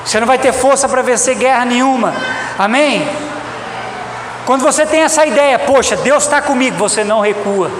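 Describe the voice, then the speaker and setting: Brazilian preacher guy, really high voice, emphatic and repeats stuff, echoey room with noticeable noise. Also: a little fast. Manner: emphatic, repetitive, addressing the congregation directly. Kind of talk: sermon. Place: reverberant church hall. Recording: echoey hall, loud background noise.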